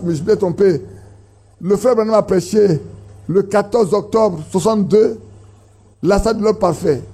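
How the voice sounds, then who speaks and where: Husky preacher. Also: male voice, dark tone. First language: an Ivorian language. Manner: emphatic, rising in pitch to stress points, repeats phrases. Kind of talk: sermon.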